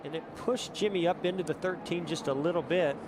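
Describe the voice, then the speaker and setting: A man's voice: a little high, a little fast. A man working as a motorsport commentator and analyst, explaining incidents on a race broadcast. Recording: noisy race broadcast, engine roar. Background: race cars and outdoor track noise.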